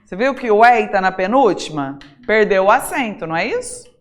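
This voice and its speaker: A Brazilian woman teaching an exam-prep Portuguese lesson, talking straight to her students with many rhetorical questions and slowly stressing key words. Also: mid-range voice, lively intonation. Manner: stresses single words by saying them slowly and loudly. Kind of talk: recorded classroom lesson.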